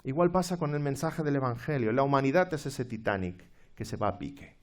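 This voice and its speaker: Expressive pastor preaching. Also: male voice, mid-range voice, brisk. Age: middle-aged. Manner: expressive preaching, swinging from soft to loud. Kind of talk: sermon.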